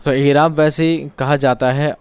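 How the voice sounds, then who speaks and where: A man's voice: fairly high pitch, fairly even intonation, a little slow, smooth, no room sound. A man teaching an exam-prep lesson. He asks questions and answers them himself, and he repeats key words for drilling. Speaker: online teacher.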